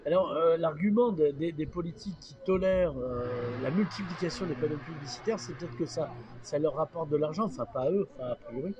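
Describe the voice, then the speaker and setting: A man's voice: a little high, fairly quick, few pauses, a crowd in the background. A man interviewing a guest, asking pointed questions mixed with teasing jokes. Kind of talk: radio interview.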